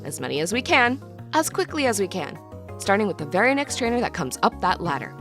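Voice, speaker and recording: A woman playing a scheming, bossy but inept villain henchwoman in an animated parody. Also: mid-range voice, brisk, over music. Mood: scheming, commanding. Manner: bossy, conniving, fake-sweet.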